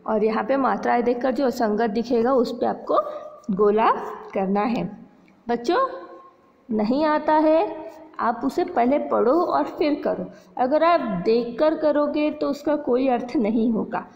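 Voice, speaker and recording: A woman teaching Hindi to young schoolchildren. She walks them through a worksheet patiently and slows down to sound out words and letters. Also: a little high, gravelly. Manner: patient, repeats "बच्चों" often, stresses pronunciation slowly. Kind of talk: online lesson explaining a worksheet to children. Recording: long reverb, dull lo-fi sound.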